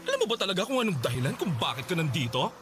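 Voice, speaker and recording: A man's voice: high-pitched, very animated, racing, music in the background. A Filipino man in a radio drama playing an effeminate, flirtatious and impatient gay client, with a campy, drawling, haughty manner. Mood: impatient, threatening.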